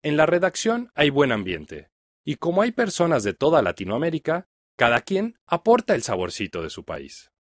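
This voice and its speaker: A middle-aged man from Mexico with a Mexican Spanish accent, reading a first-person text aloud for language learners in a clear, even delivery. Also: a little high, normal speed, no room sound. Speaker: reader of a listening text.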